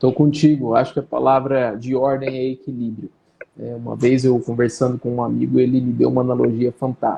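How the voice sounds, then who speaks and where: A man with a Brazilian accent talks at a fairly quick pace in a medium-pitched, somewhat breathy voice with a dark, mellow tone and monotone, flat intonation. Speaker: physician and lawyer, author. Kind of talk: interview conversation.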